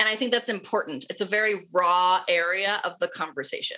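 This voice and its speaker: Her tone is bright and sharp, with a medium pitch for a woman. She talks at a moderate pace. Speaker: podcast co-host. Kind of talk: casual chat.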